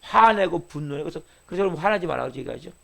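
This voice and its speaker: A male pastor preaching an early-morning sermon, firing rhetorical questions at the congregation and swinging between loud emphasis and soft asides. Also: fairly high pitch, lively intonation, rapid-fire, creaky.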